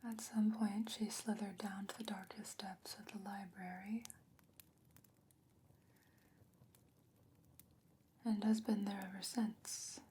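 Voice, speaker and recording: In this soft-spoken fantasy ASMR roleplay, a woman plays a knowing, secretive potion maker, whispering breathily and slowly with careful, hesitant pauses. Her husky voice sits at medium pitch, and the mood is hushed and mysterious.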